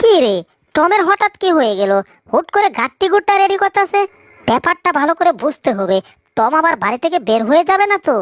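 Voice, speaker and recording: A cartoonish character voice, extremely high in pitch, with very wide pitch swings and a moderate pace. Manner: gloating, teasing.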